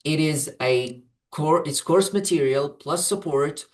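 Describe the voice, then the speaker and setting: A man's voice: on the high side, measured pace, recorded from a distance. A man who grew up in Saudi Arabia and whose first language is Arabic, answering interview questions hesitantly, with many fillers and restarts. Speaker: program client, English teacher.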